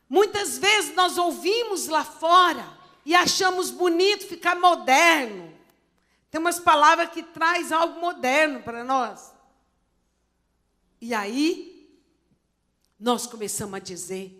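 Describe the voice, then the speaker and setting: High-voiced Brazilian woman pastor preaching. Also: animated, slow pace, long pauses, pushed and bright. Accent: Brazilian Portuguese. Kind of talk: sermon. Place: church service.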